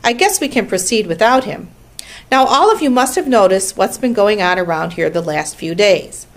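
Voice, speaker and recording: A woman reading a storybook aloud, voicing a wise, precise female spider who runs a barn meeting in a brisk, tart, schoolmarmish way. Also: medium pitch, animated, natural voice.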